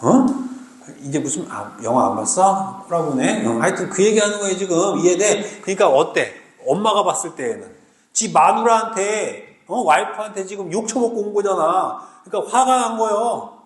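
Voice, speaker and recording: A man teaching a Korean literature class live, lively and slangy, often checking whether students understand. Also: high voice, normal speed, roomy sound, rough recording. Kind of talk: classroom lecture.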